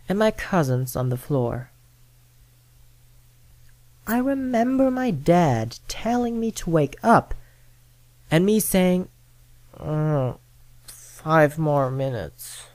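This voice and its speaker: A performer plays a horror storyteller with an easygoing, halting delivery. The pace is very unhurried, with pauses between phrases. The sound is dry, with no room echo. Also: mid-range voice, expressive. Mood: uneasy recollection. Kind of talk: scripted horror storytelling and acted banter.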